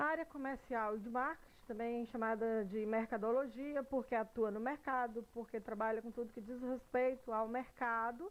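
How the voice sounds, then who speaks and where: A woman with a normal speaking voice talks at a moderate pace with hardly any pauses, her fairly high pitch held to fairly even intonation. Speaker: university lecturer. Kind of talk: recorded online lecture.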